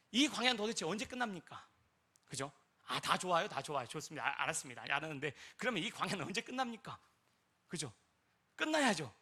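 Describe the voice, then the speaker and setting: Bright, emphatic man preaching a sermon. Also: a little high, slightly rough. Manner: rhetorical questions, swings between loud emphasis and quiet asides. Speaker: pastor.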